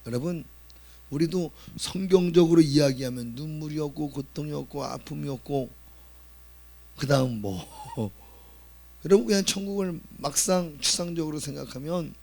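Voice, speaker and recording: A man's voice: a little high, normal speed, vocal fry, darkish tone. A man, a pastor, preaching an earnest sermon with emphatic rises in his voice.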